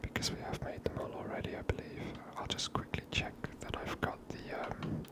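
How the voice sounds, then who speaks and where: A gamer giving gentle, hushed ASMR commentary over a video game, whispered close to the microphone. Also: brisk. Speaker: ASMR gamer, channel host.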